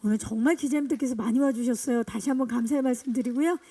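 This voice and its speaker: Bright-voiced woman emceeing a press event. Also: fairly high pitch, very fast, slightly rough. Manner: upbeat, directing photo poses. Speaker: event host.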